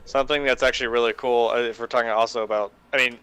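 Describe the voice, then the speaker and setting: Male panelist, bright and very clear voice, enthusiastic fan chat, close dry sound. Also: mid-range voice, fairly even intonation, very fast, dry recording. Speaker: podcast panelist. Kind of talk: casual chat.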